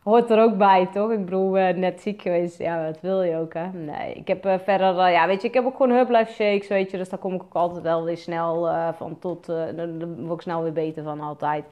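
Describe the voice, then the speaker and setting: A woman's voice: on the low side, steady tone, fairly quick, few pauses, darkish tone. A woman with a Brabant accent, a business coach chatting casually on a livestream, full of fillers and casual swearing. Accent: Brabant Dutch. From Netherlands, North Brabant. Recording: slightly dull lo-fi sound.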